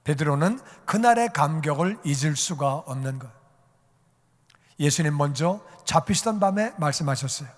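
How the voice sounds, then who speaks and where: A male pastor preaching a sermon, acting out quoted dialogue and rising to loud, emphatic peaks. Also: a little high, lively intonation, normal speed, long reverb tail. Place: church sanctuary.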